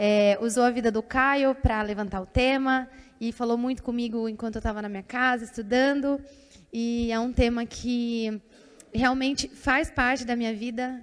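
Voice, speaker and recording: Against a quiet background, a woman speaks at a fairly slow pace in a high, shrill voice with fairly even intonation. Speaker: church preacher. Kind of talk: sermon.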